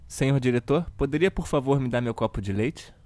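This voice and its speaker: A man with a Brazilian accent playing a children's TV uncle who reads a storybook slowly and deliberately to children. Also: medium pitch, darkish tone, no room sound, close to an everyday voice. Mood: formal. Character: children's TV show host uncle reading a satirical storybook. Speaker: storyteller host of a kids' show.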